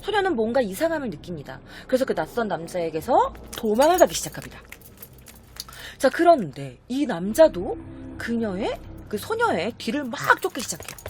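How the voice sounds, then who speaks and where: A woman casually telling an urban legend to her viewers, chatty and animated, briefly acting out the quoted voices. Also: fairly high pitch, moderate pace, soft background music. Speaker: YouTube storyteller. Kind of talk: casual spooky storytelling.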